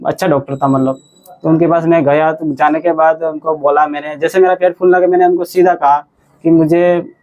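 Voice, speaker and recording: A young man in his twenties talks through his story as a patient in a casual interview. His voice sits a little high and stays flat in pitch, and his sentences wander and restart. The recording sounds dull and lo-fi. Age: 20s. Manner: rambling, halting, with frequent restarts. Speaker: patient giving a testimonial.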